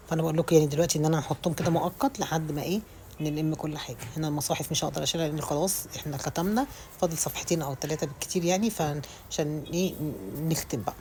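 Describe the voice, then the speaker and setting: Slight background noise accompanies the low, somewhat mellow voice of a woman in her thirties with an Egyptian Arabic accent. A home vlogger, she talks casually about cleaning her home, rambling and often restarting.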